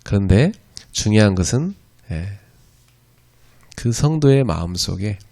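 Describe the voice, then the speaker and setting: A man's voice: fairly low pitch, animated, unhurried, vocal fry, dark tone. A man preaching a sermon lecture at a church, speaking conversationally and often checking in with the audience. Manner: conversational, frequent "예" and "그죠?" asides to the audience. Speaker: pastor teaching an evangelism school.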